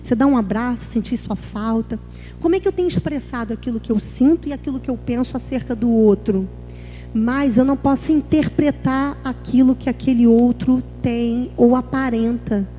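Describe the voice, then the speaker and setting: High-voiced woman pastor from Rio. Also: normal speed, dark tone, soft background music. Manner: conversational, acts out little everyday dialogues. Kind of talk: church workshop talk. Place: church hall. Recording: long reverb of a church hall.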